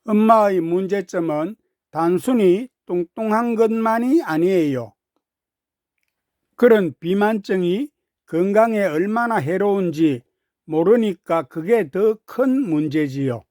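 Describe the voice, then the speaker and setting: A woman's voice: medium pitch, animated, slow pace, warm tone, dry recording, studio quality. A woman storyteller narrating a children's story from a script.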